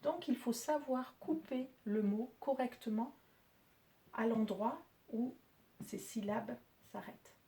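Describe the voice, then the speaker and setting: A woman's voice: a little high, mellow. A woman teacher patiently explaining French spelling and syllables to pupils. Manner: slow, patient, clearly articulated explanations. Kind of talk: spelling lesson for children.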